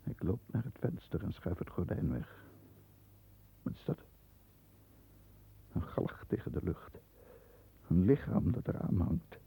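An actor playing a tense, calculating London lawyer who narrates his own dark thoughts in a deliberate, dramatic 1960s radio play style. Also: low voice, animated, creaky, slightly rough, full character voice. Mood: hard, agitated. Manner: dramatic, deliberate, halting under strain. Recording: dull lo-fi 1960s radio recording.

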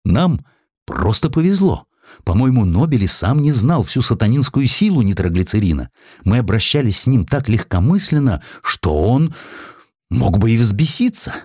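A man's voice: mid-range voice, big pitch swings, moderate pace, darkish tone, slightly rough, no echo, voice pushed up. Reckless officer telling memoirs male reader acting, wry and incredulous, audiobook storytelling, dry close recording. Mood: wry, amused. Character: wry, reckless Swedish officer recalling his past adventures.

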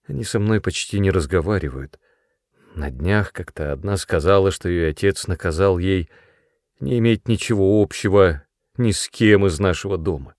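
A man's voice: darkish tone, dry recording, clean studio sound. A man reading a storybook voicing a lonely, tearful young girl who pleads and sobs. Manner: pleading, high and shrill when upset. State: sobbing. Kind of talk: audiobook character voice.

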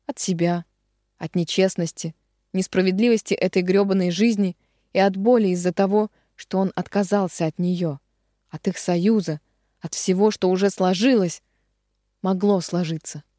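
Dark-voiced woman reading an audiobook. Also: mid-range voice, fairly even intonation, no echo, clean studio sound. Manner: dramatic, slowing down on heavy phrases. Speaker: audiobook narrator. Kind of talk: expressive audiobook narration.

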